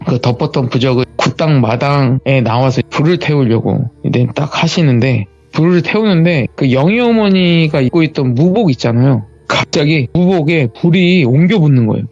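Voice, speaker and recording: A man's voice: a little high, creaky, darkish tone, no room sound. A man casually retelling a true ghost story in the first person, on a dull lo-fi recording with faint music behind. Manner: plain conversational retelling.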